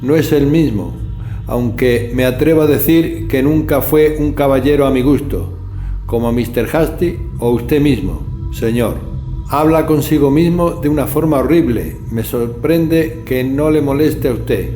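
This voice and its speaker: An actor playing an old, wrinkled manservant, deferential and fussily worried, in an audio horror drama. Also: male voice, medium pitch, a little slow, lightly acted. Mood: deferential worry. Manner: deferential, hesitant, gossipy. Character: old wrinkled male college servant, deferential, worried, fussy. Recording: roomy echo, soft music behind.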